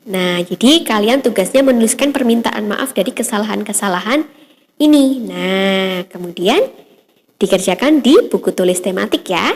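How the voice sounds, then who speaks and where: A woman's voice: mid-range voice, lively intonation, moderate pace. A woman primary school teacher giving a patient lesson to young children, explaining step by step with frequent "ya" and "nah". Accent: Indonesian. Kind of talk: online class lesson for children.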